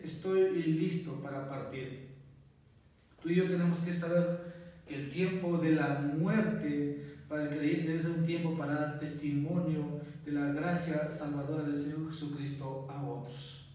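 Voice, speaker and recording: A male pastor preaching an earnest sermon, often calling his listeners brothers and pausing on thinking fillers. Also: fairly high pitch, fairly even intonation, a little mellow. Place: church. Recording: very echoey church hall, voice from far off.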